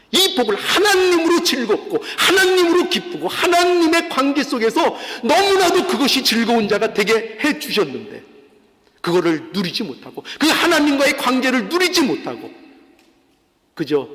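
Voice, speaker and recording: In a church sanctuary, a male pastor with a very high, somewhat bright voice preaches a fervent sermon, pleading with and urging his congregation. He voices God's pleas in quotes, and the audio carries a big-room sound.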